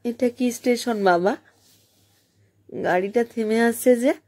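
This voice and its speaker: Feverish teenage daughter, tired and soft, pitched up, slow, put on by a woman storyteller. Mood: curious. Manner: tired, soft, drawn-out sing-song. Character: feverish teenage girl, weary yet playful.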